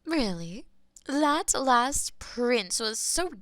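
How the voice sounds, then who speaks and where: A woman voicing a possessive, teasing female demon mistress who is smug and powerful, dropping at times to soft whispers. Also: high voice, very animated, no room sound, clean studio sound, full character voice. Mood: gossipy. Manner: teasing, slow and purring, drops to soft whispers. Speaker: voice actor in an audio roleplay. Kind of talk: audio roleplay acting.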